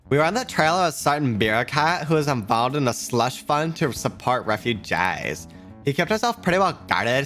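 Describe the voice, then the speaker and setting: A man's voice: mid-range voice, bright, forceful tone. A man reading game dialogue aloud as a brash, hard-drinking female journalist in a tipsy drawl.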